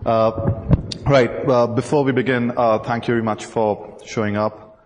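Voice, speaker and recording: A man's voice: medium pitch, steady tone, measured pace, darkish tone. A young man with an Indian accent giving a technical conference talk in a large hall at a podium mic, full of hesitant fillers. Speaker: conference presenter. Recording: echoey hall, faint noise.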